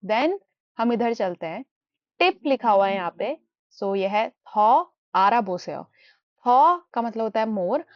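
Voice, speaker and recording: Woman drilling words with slow repeats. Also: a little high, no echo. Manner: repeats each word slowly several times as a drill; mixes Hindi and English while explaining. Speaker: Korean language teacher. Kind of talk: beginner language lesson. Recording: dull, muffled dry recording.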